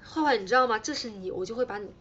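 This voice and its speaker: A woman's voice: fairly high pitch, expressive, racing, a bit bright, highs cut off, slight background noise. A young woman hosting a casual livestream, teasing her fans playfully and repeating herself as she chats. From China. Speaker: idol livestream host.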